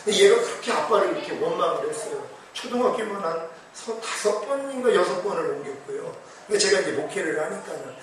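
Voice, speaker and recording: A man's voice: lively intonation, fast talker, hardly any pauses. A middle-aged man preaching a sermon as pastor, telling a personal testimony with emotion and rising to fervent exclamations. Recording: boomy echo, distant mic, faint hiss.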